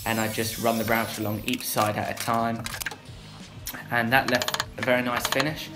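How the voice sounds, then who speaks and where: A young man narrating a woodworking build in a relaxed voice-over, with frequent filler sounds. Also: medium pitch, moderate pace. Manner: plain, easygoing, frequent "uh" fillers. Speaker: woodworking channel host. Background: background music.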